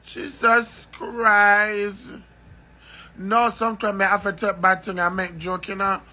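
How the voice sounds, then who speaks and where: A man's voice: sits high, little pitch movement, takes it slowly, bright, forceful tone. A man ranting emotionally in a vlog, rambling and repeating phrases over and over.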